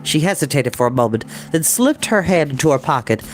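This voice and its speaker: A man reading a children's fantasy novel aloud as an expressive storyteller. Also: on the high side, brisk, a little hiss or hum. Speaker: storybook reader. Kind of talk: expressive scripted narration.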